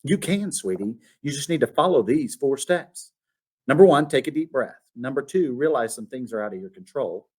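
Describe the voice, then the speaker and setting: A man's voice: mid-range voice, lively intonation, moderate pace, a little mellow, slightly rough. A man voicing a patient, slightly quirky storybook mother who coaches and encourages. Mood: gentle, instructive. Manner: encouraging, instructive. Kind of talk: storybook read-aloud.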